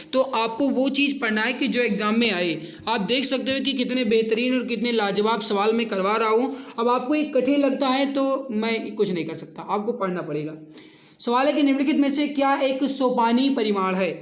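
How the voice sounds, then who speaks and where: A man teaches an exam class in a high-pitched, sharp, bright voice. He works through quiz questions in an instructive way, speaking directly to his students and restating each question and answer. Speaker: exam-prep science teacher. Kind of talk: online lesson, working through quiz questions.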